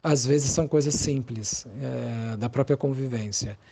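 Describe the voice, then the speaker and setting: A Brazilian man, a psychologist being interviewed, gives conversational explanations in a thoughtful, halting way, searching for his words. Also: medium pitch, creaky, warm tone, a little hiss or hum.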